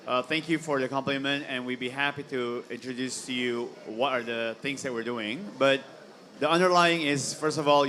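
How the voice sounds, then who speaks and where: A man on a panel answering audience questions in a measured, deliberate way. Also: mid-range voice, pushed and bright.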